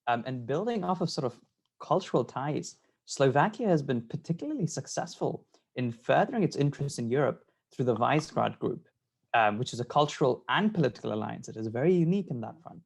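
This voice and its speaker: A man hosts a virtual interview and puts questions to his guest over a video call. He speaks in a measured way, often pausing on ums. His voice has an ordinary pitch for a man. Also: big pitch swings, vocal fry.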